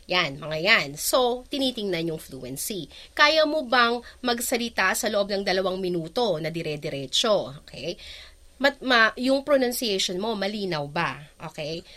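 Woman from the Philippines, middle-aged, English teacher, rhetorical questions, Filipino-English code-switching, very lively intonation. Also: medium pitch, measured pace. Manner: explains step by step with rhetorical questions. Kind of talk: explaining in a panel talk.

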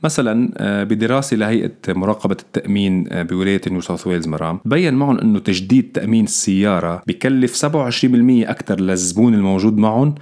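Levantine arabic guy, lowish voice, talks super fast, explaining stuff like an analyst on a chat show. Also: darkish tone. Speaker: economic analyst guest. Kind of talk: conversational explanation.

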